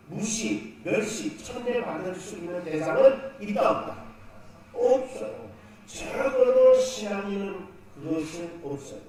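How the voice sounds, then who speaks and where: A man's voice: high voice, darkish tone. A man preaching a Sunday sermon as pastor, asking the congregation questions and answering them himself. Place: church sanctuary. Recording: echoey church hall, distant mic, faint noise.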